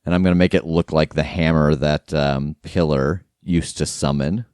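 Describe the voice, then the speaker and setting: A man's voice: extremely low pitch, fairly even intonation, moderate pace, darkish tone, clear, resonant tone, dry recording, clean studio sound. A man playing a tabletop game, chatting casually as he describes his moves.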